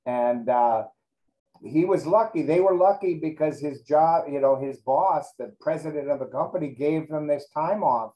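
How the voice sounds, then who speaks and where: A middle-aged man whose first language is Greek, reflecting in an oral history interview, halting and restarting often. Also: on the high side, mellow, rough recording.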